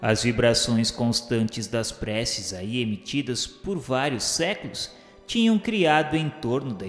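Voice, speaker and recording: Man narrating solemnly in deep reverb. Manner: formal, reverent delivery. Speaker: narrator of a spiritist radio novela. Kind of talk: solemn scripted literary narration. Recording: echoey reverberant hall sound, music underneath. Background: music.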